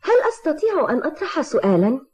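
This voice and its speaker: A woman's voice: sits high, sing-song, racing, a little mellow. A woman voicing a worried, headstrong young woman in an Arabic cartoon dub, speaking urgently and pointedly. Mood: insistent. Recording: dull old TV dub soundtrack.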